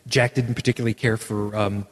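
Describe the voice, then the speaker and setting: A man hosting a casual podcast chat, lively, often acting out quoted lines in other voices. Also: lowish voice, brisk, in a large hall. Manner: animated, acts out quoted lines in shifted voices. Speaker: podcast host.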